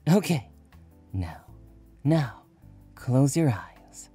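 A woman's voice: extremely low pitch, big pitch swings, warm tone, breathy edge, soft background music, voice pushed up, full character voice. A woman voicing a playful, affectionate young man who teases and jokes. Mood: excited. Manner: teasing, drawn-out playful delivery.

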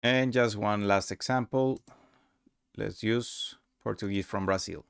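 Low, gravelly man presenting a demo. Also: steady tone, a little slow, no room sound, studio quality. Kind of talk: casual screen-recorded tutorial narration.

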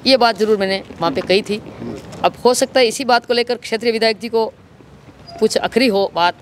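Speaking a little fast into a reporter's handheld mic, a high-voiced party worker with a Rajasthani accent describes an incident as an interviewee. He stands outside in an office compound, with street noise faintly audible.

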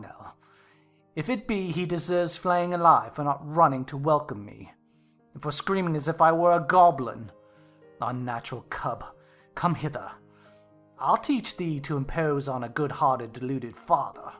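Volatile, drunken gentleman father played by a woman, threatening rants for a dramatized classic novel, music behind. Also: a bass voice, voice pushed down, full character voice. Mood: ranting scorn. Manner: ranting, threatening, swinging from fury to coaxing. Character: drunken, raging, menacing country gentleman and father. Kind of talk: dramatized audiobook character acting.

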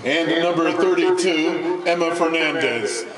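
A man's voice: on the high side, measured pace. A middle-aged American man working as a public-address announcer, reading out team lineups formally and drawing out the players' names. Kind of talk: announcing softball starting lineups. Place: stadium press box. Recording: echoey, distant mic, loud crowd noise.

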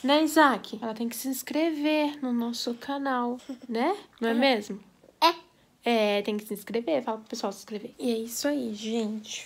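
A woman in her thirties with a Brazilian Portuguese accent, chatting softly at home as a vlogger and mother. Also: on the high side. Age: 30s. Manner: soft, chatty, talks to her baby. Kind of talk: casual home vlog.

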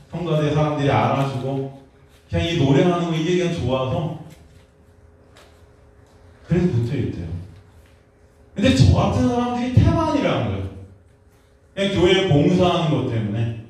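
A man in his thirties preaching a sermon as pastor, animated, dropping to a hush and then rising to shouted questions. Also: fairly high pitch. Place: church hall in a basement. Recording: echoey hall, mic far off.

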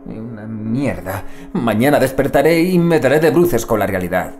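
A man's voice: mid-range voice, lively intonation, moderate pace, a little mellow, soft background music, natural voice. Man acting anguished investigator, swinging intonation. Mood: anguished, fearful. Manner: theatrical, brooding, swinging between outburst and muttering. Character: anguished male investigator dreading cosmic horror, loyal to friend. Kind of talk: audio drama monologue.

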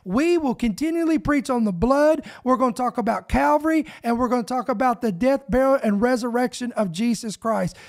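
A middle-aged man preaches and prays on his ministry podcast, fervent and emphatic. He speaks close into a boom microphone in a small home studio. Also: brisk, hardly any pauses. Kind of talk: podcast preaching and spoken prayer. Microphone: boom microphone close to the mouth.

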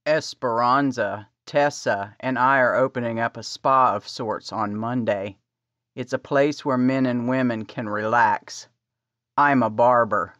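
A woman voicing a kind young husband with a lowered, soft, plain voice. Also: a little slow, dry recording. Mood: gentle. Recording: slightly dull dry recording.

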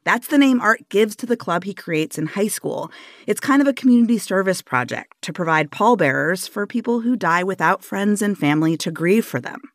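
A woman's voice: mid-range voice, animated, moderate pace, no room sound, studio quality. A woman radio interviewer who narrates scripted links and asks questions, reacting attentively with short affirmations. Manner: attentive, with brief affirmations and laughs.

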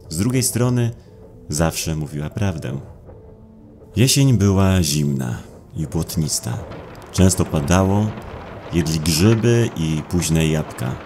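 A man narrating a dark audio drama in a brooding, dramatic way with deliberate pauses. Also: low-pitched. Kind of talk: dramatic scripted horror narration.

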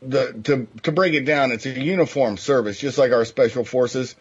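A man's voice: medium pitch, moderate pace, husky. A man who is a guest on a political talk show, speaking bluntly and in a matter-of-fact way. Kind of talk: political talk radio chat. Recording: dull lo-fi line.

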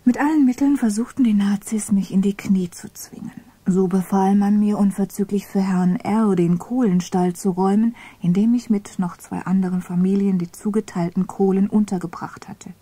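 A woman reading a memoir aloud, narrating in a hushed, mostly whispered voice. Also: medium pitch, fairly even intonation, normal speed, husky, dry recording. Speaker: reader of a memoir.

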